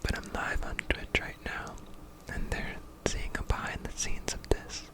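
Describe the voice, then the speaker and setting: A man whispering a gentle, earnest ASMR pep talk, offering encouraging affirmations as a creator speaking to viewers. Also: normal speed, poor audio.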